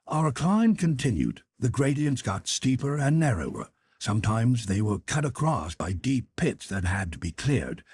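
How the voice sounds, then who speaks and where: A man narrating a literary audiobook in a measured, expressive storytelling manner. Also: mid-range voice, breathy edge, no echo, studio quality.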